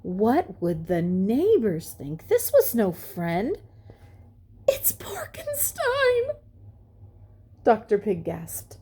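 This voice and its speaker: Slow, mellow woman reading a storybook. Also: medium pitch, big pitch swings, slightly rough. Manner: deliberate, dramatic pauses. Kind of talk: expressive children's picture-book read-aloud.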